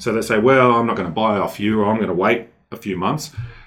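In an Australian accent, a man with a fairly low pitch talks at a fairly quick pace. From Victoria, Australia. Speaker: state politician. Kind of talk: interview, policy discussion.

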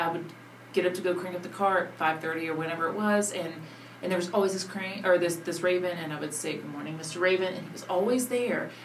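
Noticeable background noise runs under the clip. A woman talks at a very fast pace with fairly even intonation. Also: fairly low pitch for a woman, big swings in loudness. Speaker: podcast host. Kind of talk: interview, casual conversational.

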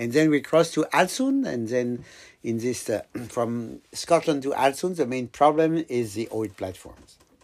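The man's speech moves at a moderate pace in a French accent. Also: medium pitch for a man, ordinary pitch variation. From France. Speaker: sailboat captain. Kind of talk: casual interview. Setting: aboard a sailboat. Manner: halting.

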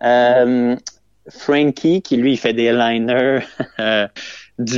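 A man speaks at a very slow pace with a Quebec accent. His pitch is medium and his intonation fairly even. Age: young. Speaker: comedian. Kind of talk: casual chat.

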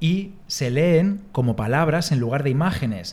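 There is audible room echo around a man whose animated tone comes through somewhat breathy. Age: 30s. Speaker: podcast co-host. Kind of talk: live podcast chat. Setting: stage with audience.

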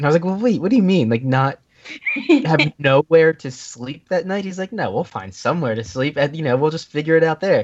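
At a fairly quick pace, a man with a plain, everyday voice speaks at a fairly high pitch with lively intonation. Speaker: podcast host. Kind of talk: casual chat.

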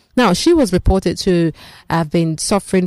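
A woman with a Nigerian accent speaks in a dark, mellow, fairly low voice, the sound dry and close with no echo in a very clean recording with a silent background. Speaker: stand-in radio co-host. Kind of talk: news reading. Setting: radio studio.

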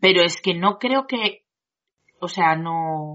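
A normal speaking voice carries lively intonation throughout. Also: woman. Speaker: podcast co-host. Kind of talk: casual chat.

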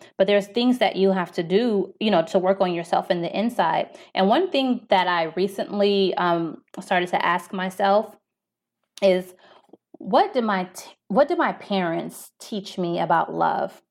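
With an American accent, a woman speaks in an unremarkable speaking voice at a medium pitch, with ordinary pitch variation and a fairly slow pace. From Las Vegas, US. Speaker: author and social entrepreneur. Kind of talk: interview.

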